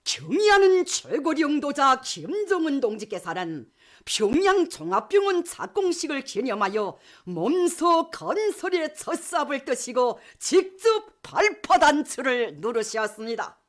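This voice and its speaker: A woman's voice: sits high, sing-song, a little slow. A woman with a North Korean accent reading scripted state propaganda news as a television announcer in a fervent, solemn, declamatory manner.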